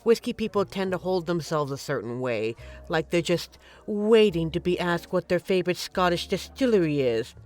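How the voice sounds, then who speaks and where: A woman's voice: on the low side, expressive, normal speed, a little mellow, natural voice. A woman playing a flirty, teasing but caring bartender in an intimate, conversational audio roleplay. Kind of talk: intimate scripted roleplay, ASMR-like.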